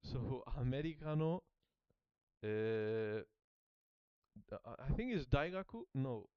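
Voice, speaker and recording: A man whose native language is German studies by thinking aloud, his mid-range voice clear, resonant and expressive at a slow pace. He hesitates often, repeats words while sorting them out and gives small self-conscious laughs. It's recorded dry with no room sound, slightly muffled.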